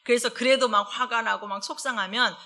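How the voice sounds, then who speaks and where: A woman associate pastor giving a conversational midweek sermon. She asks the congregation questions and slows down to read scripture aloud. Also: a little high, fairly even intonation, bright, forceful tone. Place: church service.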